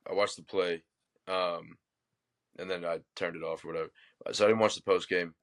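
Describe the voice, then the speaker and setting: A man's voice: low voice, steady tone, normal speed, a bit bright. A man from Baltimore co-hosting a sports podcast, talking bluntly with lots of profanity and sarcasm. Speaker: podcast co-host. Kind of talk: casual sports chat.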